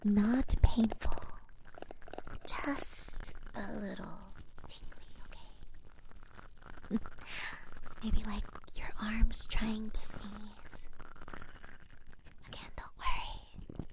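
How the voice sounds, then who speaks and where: Woman whispering as a gentle witch healer. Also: medium pitch, flat delivery, extremely slow, vocal fry, long pauses, rough recording. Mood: soothing. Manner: soft, reassuring whisper with small giggles. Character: gentle, slightly scatterbrained female witch healer. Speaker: ASMR roleplay performer. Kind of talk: ASMR roleplay, soft-spoken whispering.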